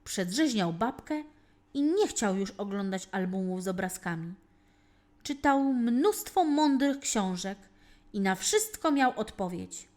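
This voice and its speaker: A woman narrating a children's fairy tale as a storyteller, reading with dramatic, deliberate phrasing. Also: medium pitch, very animated, darkish tone. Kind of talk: scripted narration, expressive bedtime-story reading.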